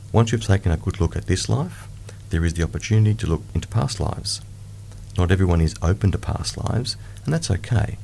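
A middle-aged man leading a guided meditation in a soft, hushed, soothing delivery. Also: low-pitched, gravelly, slight background noise.

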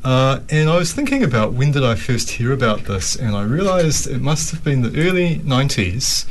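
A man's voice: mid-range voice, very animated, normal speed, a little hiss or hum. A man in his fifties with a New Zealand accent, telling stories conversationally as an interview guest. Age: 50s. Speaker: interview guest, capoeira practitioner.

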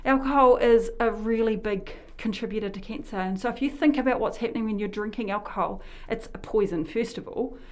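A woman's voice: fairly high pitch, brisk, few pauses. A woman with a New Zealand accent who works in health promotion, hosting a casual radio chat and talking in a rambling way that often sidetracks itself. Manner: chatty, rambling, sidetracks herself. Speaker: health promotion worker and show host.

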